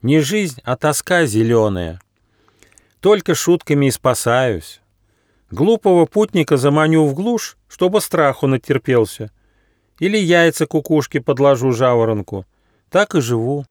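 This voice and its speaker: A man's voice: expressive, unhurried, no echo, clean studio sound, close to an everyday voice. A man voicing a lonely, shaggy forest prankster spirit in a children's storybook. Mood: wistful. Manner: high pleading prankster voice.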